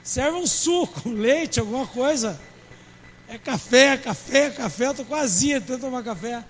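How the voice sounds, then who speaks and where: A man's voice: extremely high pitch, lively intonation, normal speed, long reverb tail, a little hiss or hum, low-quality recording. A man, a pastor preaching a sermon with humor and acting out church members in dialogue. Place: church service.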